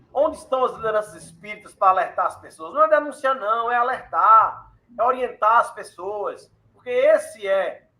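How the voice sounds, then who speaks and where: A man's voice: high-pitched, bright, forceful tone. A man speaking as a guest in an online panel discussion, earnest and emphatic, his audio breaking up over a bad internet connection on a laptop call. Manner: earnest, emphatic, lists examples. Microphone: laptop on a video call. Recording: echoey room, choppy call audio.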